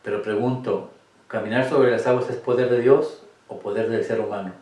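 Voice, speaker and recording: Low-voiced man teaching in echoey room. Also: fairly even intonation, moderate pace, darkish tone. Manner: emphatic, asks rhetorical questions. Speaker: Bible study teacher. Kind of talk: Catholic Bible study talk. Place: room with cameras. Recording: echoey room, distant mic.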